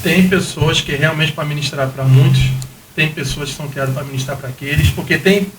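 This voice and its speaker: A man's voice: on the high side, fairly quick, echoey room, slight background noise, poor audio. A male podcast host from Brazil, chatting casually with a pastor guest and reading Bible verses aloud. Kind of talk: casual interview chat.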